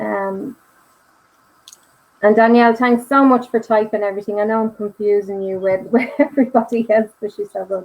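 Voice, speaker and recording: Fairly high in pitch, a woman with an Irish accent speaks at a moderate pace with fairly even intonation. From Ireland. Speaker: psychic medium. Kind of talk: live mediumship reading. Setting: live stream video call.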